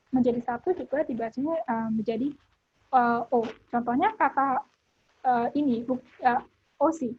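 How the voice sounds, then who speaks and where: Halting woman tutor, muffled audio. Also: high-pitched, slightly rough. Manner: hesitant, many filler sounds. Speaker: French language tutor. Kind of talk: online lesson. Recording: dull lo-fi audio.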